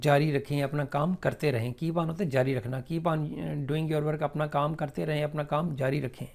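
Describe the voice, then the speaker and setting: Male English teacher with a raised, gravelly voice. Drags out each model sentence, then explains it in a chatty, filler-heavy way. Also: a little high, steady tone, darkish tone. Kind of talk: spoken English lesson explained in Urdu.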